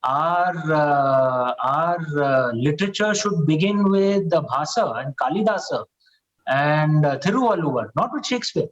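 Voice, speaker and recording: An earnest Indian man speaks in a fairly high register, and his points keep coming back with a persuasive "right?". He hesitates often with drawn-out "uh"s. The recording sounds dull and muffled. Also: lively intonation. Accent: Indian English. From Uttar Pradesh, India. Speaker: panel guest. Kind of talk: panel discussion.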